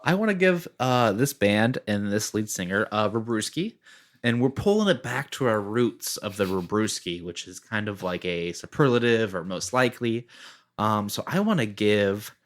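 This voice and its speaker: A man co-hosting a podcast in a jokey, animated, casual chatting style. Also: fairly low pitch, normal speed. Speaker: podcast co-host. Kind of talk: casual chat.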